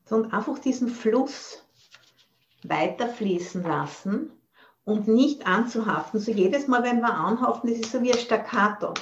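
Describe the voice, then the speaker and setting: This Buddhist nun teacher from Austria sounds animated, her fairly high voice moving at a moderate pace through a dharma talk on a video call. She stays thoughtful, gropes for words, and blends in bits of English, all through a muffled recording.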